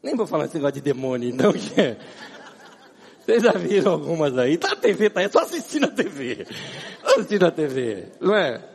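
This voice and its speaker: Husky Brazilian preacher, lively high voice. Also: male voice, fairly quick. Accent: Brazilian Portuguese. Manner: animated, laughing storyteller. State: sweating. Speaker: guest preacher. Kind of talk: humorous sermon storytelling. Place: large round church. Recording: long church hall reverb.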